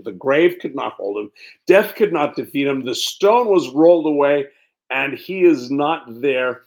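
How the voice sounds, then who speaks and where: A man delivers a sermon at an unhurried, measured pace, his pitch sitting in the middle range. He stacks phrases into emphatic lists and lets them fall away softly. The delivery is deliberate and earnest throughout. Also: gravelly, rough recording. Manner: slow, deliberate preaching with emphatic lists and quiet drops. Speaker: preacher. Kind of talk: Easter sermon.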